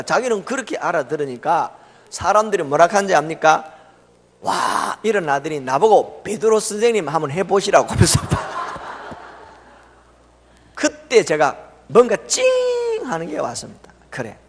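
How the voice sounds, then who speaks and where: A middle-aged male revival preacher, his fairly high voice leaping up and down in pitch. He tells the story with laughter, jumping from loud cries to near-hushed asides. His voice carries a long reverb from a church sanctuary. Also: slightly rough. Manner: animated, laughing, swings from loud exclamations to hushed tones.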